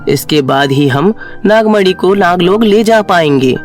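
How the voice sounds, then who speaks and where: A man voicing a calm middle-aged serpent uncle in a cartoon story, measured and explanatory. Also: high voice, soft background music. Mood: earnest, instructive.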